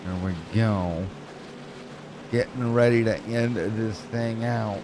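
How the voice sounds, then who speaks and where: Deep-voiced guy calling a sim race, jokey and rambly, bit of hiss behind. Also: fairly even intonation, slow. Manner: joking, rambling play-by-play with fillers. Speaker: race commentator. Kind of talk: esports race commentary.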